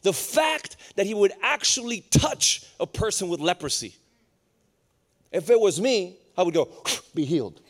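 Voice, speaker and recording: A man in his thirties from Puerto Rico, preaching a sermon with humor and rising intensity. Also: unhurried. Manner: lively, humorous preaching that climbs higher and more intense as it goes. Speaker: pastor.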